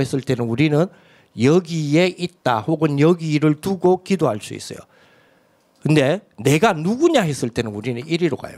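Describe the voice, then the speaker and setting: Speaking at a moderate pace, a man has a fairly high pitch and big swings in loudness. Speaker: pastor. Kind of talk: lecture. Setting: pre-recorded video.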